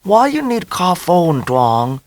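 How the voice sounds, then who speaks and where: A man's voice: high voice, very animated, slow, voice pushed up, heavily acted. A man voicing a stubborn older immigrant mother who speaks broken English with a heavy Vietnamese accent, insistent and nagging.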